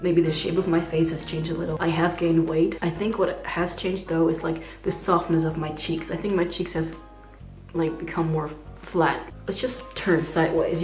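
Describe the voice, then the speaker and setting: A young trans man talking in a casual video diary, hesitant and full of fillers, with a fragile voice that sometimes skips between low and high. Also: a little mellow, roomy sound. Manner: hesitant, many "like" fillers, nervous laughs. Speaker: vlogger.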